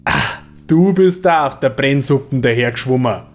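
A man's voice: mid-range voice, normal speed, soft background music. A man in his thirties with a Bavarian accent, demonstrating dialect sayings. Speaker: guest giving dialect phrases.

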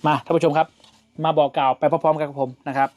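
A man's voice: fairly high pitch, level tone, fast talker, a little mellow. A young man with an Isan Thai accent hosting a casual outdoor show, chatting and reciting invocations. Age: young adult. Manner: chatty, prayer-like invocations to a spirit. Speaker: host. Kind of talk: casual chat.

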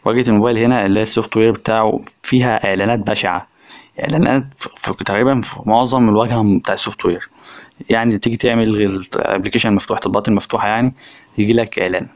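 A man's voice: on the low side, steady tone, rapid-fire. A man with an Egyptian accent giving a casual, chatty phone review voice-over, speaking directly to viewers. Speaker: tech reviewer.

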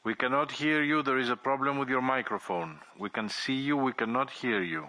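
A man chairing a formal meeting from a conference chamber, giving brisk, short procedural instructions. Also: mid-range voice, sharp tone, rough recording. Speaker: president chairing the session.

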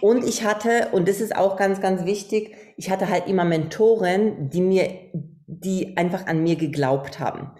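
A woman's voice: mid-range voice, unhurried, dark tone. A middle-aged woman from Poland, a podcast guest on a video call, talking earnestly and reflectively about her path. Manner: earnest, reflective, acts out quoted voices. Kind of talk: candid interview talk. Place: home room, indoors.

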